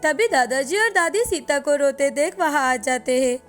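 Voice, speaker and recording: Female storyteller, high and clear, steady explanatory narration for a kids' cartoon. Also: moderate pace, faint music behind.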